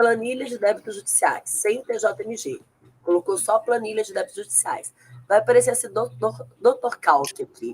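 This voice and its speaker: A woman's voice at a moderate pace, with big swings in loudness. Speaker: law teacher. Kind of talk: online class tutorial.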